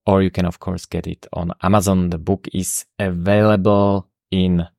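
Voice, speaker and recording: A man with a Slovak accent, a native Slovak speaker, hosting a podcast and introducing an episode with unhurried, halting speech full of fillers. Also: low voice, level tone, vocal fry, darkish tone, no room sound, clean studio sound. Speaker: podcast host.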